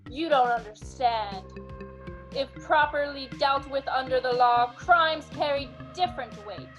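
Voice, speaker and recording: A woman plays a fanatical vigilante judge in a radio drama, pitched high and set over music. The delivery is grandiose and deliberate, preaching with cold, murderous righteousness. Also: a bit bright. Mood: fervent.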